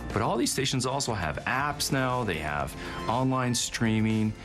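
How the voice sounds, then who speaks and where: A man's voice: mid-range voice, lively intonation, unhurried. A man speaking earnestly as a Catholic advocate, giving an informal talk. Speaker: Catholic speaker promoting radio evangelization. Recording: loud music bed behind the voice. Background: prominent instrumental music with guitar.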